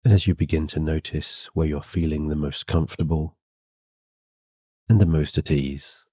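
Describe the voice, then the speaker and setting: Very deep, dark-toned soothing man. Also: steady tone, breathy edge, dry recording, clean studio sound. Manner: gentle, soothing, unhurried guiding delivery. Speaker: sleep hypnosis guide. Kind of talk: guided meditation, scripted hypnosis talk-down.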